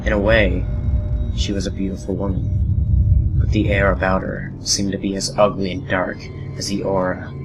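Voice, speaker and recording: A man's voice: low-pitched, monotone, normal speed, vocal fry, poor audio. A man giving scripted narration for a horror story as the narrator of an audio drama. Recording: loud music under narration.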